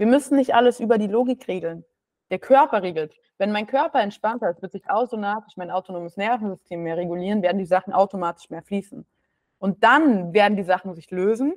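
With a dry, close sound and no echo, a woman uses an ordinary speaking voice at a fairly quick pace, in a medium pitch with ordinary pitch variation and big swings in loudness. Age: 20s. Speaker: coach working on psychological processes. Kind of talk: casual chat.

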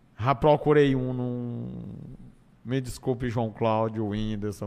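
A man with fairly even intonation. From Brazil, Piauí (Teresina). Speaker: comedian. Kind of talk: casual interview chat.

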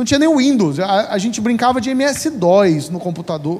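A man's high voice with very wide pitch swings at a moderate pace, plus audible room echo. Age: 30s. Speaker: pastor. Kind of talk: sermon.

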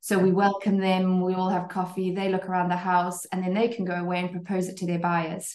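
In a Zimbabwean accent, a woman of medium pitch talks at a fairly quick pace with hardly any pauses and monotone, flat intonation, over noticeable background noise. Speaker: estate agent. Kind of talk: interview. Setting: video call.

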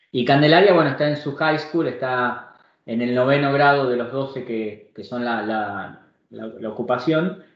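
A man at medium pitch, fairly slow in pace, with ordinary pitch variation and audible room echo. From Argentina, Buenos Aires. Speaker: company director. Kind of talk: casual interview.

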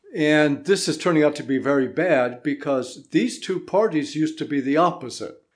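An ordinary speaking voice with an American accent talks at a moderate pace with ordinary pitch variation and hardly any pauses against a quiet background. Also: man, fairly high pitch for a man. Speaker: philosophy professor. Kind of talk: interview.

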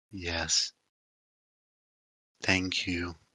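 Putting on a character voice, a man sounds raspy with a very deep, low pitch.

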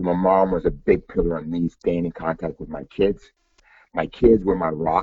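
A man's very deep, low voice carries fairly even intonation and moves along at a moderate pace. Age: 50s. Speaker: massage therapist and business owner. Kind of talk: interview.

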